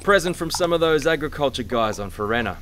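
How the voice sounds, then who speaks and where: A man's voice: medium pitch, lively intonation, quick pace, noisy background, lightly acted. Man acting breezy, cocky starship crewman. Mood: cheerful, showy. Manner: breezy, jokey, casual. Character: easygoing, cheerful, cocky starship crewman and cook. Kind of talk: audio drama acting.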